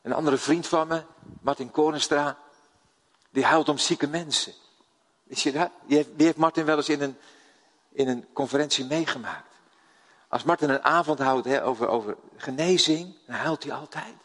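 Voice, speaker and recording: Heard through long hall reverb, an older Dutch preacher speaks at normal speed in a voice on the high side. He tells stories with liveliness and puts questions to the congregation during his sermon.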